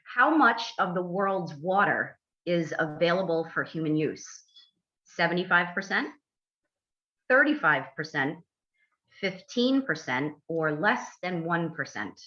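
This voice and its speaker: Bright, teasing woman quizzing her co-host. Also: lowish voice, expressive, unhurried, dull audio. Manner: dry, teasing humor. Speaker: podcast host, environmental attorney. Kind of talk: casual podcast chat, quiz host.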